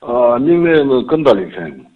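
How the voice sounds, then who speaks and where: A middle-aged man speaking a Korean regional dialect, phoning in to a live stream and rambling haltingly, often repeating himself. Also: medium pitch, very animated, phone-quality sound. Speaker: caller. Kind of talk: phone-in advice call.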